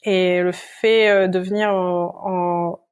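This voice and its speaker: A young woman talking as a guest on a podcast, relaxed and chatty, with many fillers and sighs. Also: on the low side, slow pace, clean tone. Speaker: guest illustrator. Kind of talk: casual interview chat.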